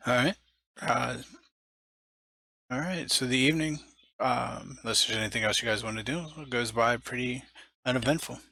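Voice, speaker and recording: A man's voice: medium pitch, normal speed, creaky, long pauses, bright, forceful tone, dry recording. A man running a tabletop game as game master, laid-back and full of fillers.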